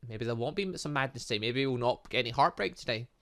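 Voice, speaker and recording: A man's voice: mid-range voice, expressive, quick pace, bright, forceful tone. A man hosting a gaming channel, giving let's play commentary on a visual novel with dramatic, exclaiming reactions.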